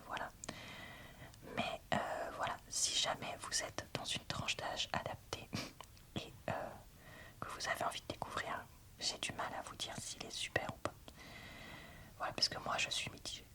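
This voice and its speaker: A woman whispering an ASMR book review in a soft, breathy, informal and slightly hesitant way. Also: normal speed.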